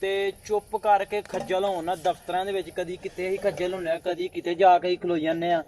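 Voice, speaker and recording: A man's voice: high voice, flat delivery, a little fast, darkish tone, a little hiss or hum, lightly acted. A man with a Pakistani Punjabi accent playing a stubborn village man in an amateur drama, pleading and repeating himself.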